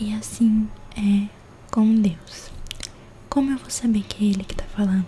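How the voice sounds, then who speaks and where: The speech moves at a fairly slow pace with long, frequent pauses and fairly even intonation. Loudness swings widely, and background noise is noticeable. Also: woman, medium pitch for a woman. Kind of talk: ASMR-style soft-spoken talk to camera about faith. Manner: soft-spoken.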